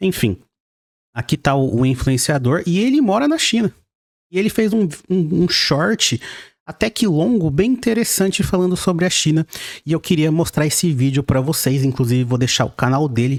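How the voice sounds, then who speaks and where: An unremarkable speaking voice with lively intonation, very even loudness and a moderate pace, dry and close with no echo. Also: man. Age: middle-aged. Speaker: YouTuber. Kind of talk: video commentary.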